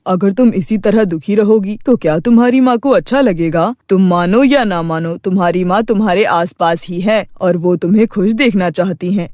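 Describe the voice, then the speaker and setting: A man's voice: high-pitched, a little mellow, dry recording, close to an everyday voice. A kindly father acted by a man speaks earnestly and with firm reassurance in a cartoon moral tale. The recording is dry, with no room around the voice. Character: kind, grateful husband and father, firm.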